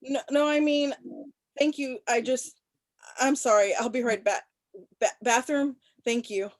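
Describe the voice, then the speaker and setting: A woman acting an awkward young student in a film script table read, halting and nervously polite. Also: sits high, steady tone, no echo. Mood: flustered.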